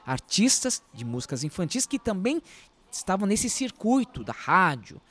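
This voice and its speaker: Lively male radio host. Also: high-pitched, moderate pace. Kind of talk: casual radio chat.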